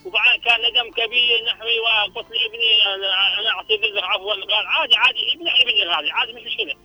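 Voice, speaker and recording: A man's voice: sits high, rapid-fire, bright, forceful tone, faint music behind. An older man calling in to a radio show over the phone, earnest and repetitive, often swearing oaths and saying yes again and again. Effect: heard over the phone line. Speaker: caller.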